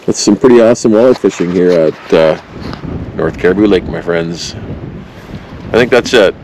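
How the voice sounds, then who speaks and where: A man's voice: low-pitched, normal speed, a little mellow, rough recording. A man hosting a fishing vlog from an open boat, chatting in a teasing, upbeat way. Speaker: fishing guide and host. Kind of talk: casual vlog chat. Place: open boat on a windy lake. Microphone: action camera on the boat. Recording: wind and boat motor noise.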